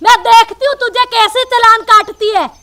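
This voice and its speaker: A woman playing a shrill, bossy mother-in-law. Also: fairly even intonation, moderate pace, sharp tone. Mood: scolding. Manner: taunting, threatening, bossy. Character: bossy scolding middle-aged mother-in-law. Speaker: mother-in-law in a comedy telefilm.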